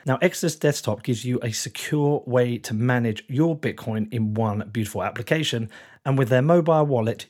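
A man with an English accent and a croaky, hoarse voice that is giving out, hosting a podcast and speaking informally and directly to listeners. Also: mid-range voice, darkish tone. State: losing his voice. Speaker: podcast host. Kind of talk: podcast intro and sponsor reads.

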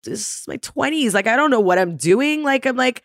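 A woman's voice: a little high, animated, moderate pace, no room sound, clean studio sound. A woman guest on a podcast, speaking in an earnest, reflective way about her own experiences. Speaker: guest, performer. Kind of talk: casual conversational interview.

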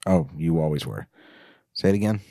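A man's voice: very deep voice, expressive, a little fast, gravelly, mellow, dry recording. A man co-hosting a script reading with casual, crude, sarcastic banter. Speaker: co-host reading his old screenplay. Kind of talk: casual joking chat.

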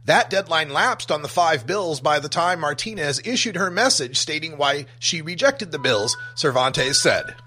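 Animated, bright-voiced male radio host. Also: on the high side, moderate pace, few pauses. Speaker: radio talk show host and news reader. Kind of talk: scripted show intro and headline news reading.

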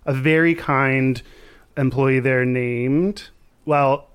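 A man's voice: medium pitch, steady tone, drawn-out words, clear, resonant tone, no room sound. A hungover man co-hosting a casual podcast chat, stammering and laughing nervously. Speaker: podcast co-host.

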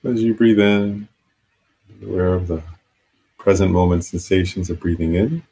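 A man guides a meditation in a lowish, husky voice. He gives gentle instructions off the cuff, haltingly, leaving long pauses between phrases. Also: steady tone, rough recording. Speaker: meditation teacher.

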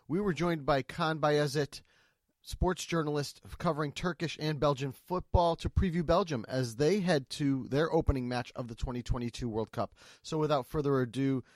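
A man's voice: medium pitch, no echo, clean studio sound. A man hosting a football podcast, reading intros in an upbeat announcer way. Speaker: podcast host. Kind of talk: scripted show intro and interview questions.

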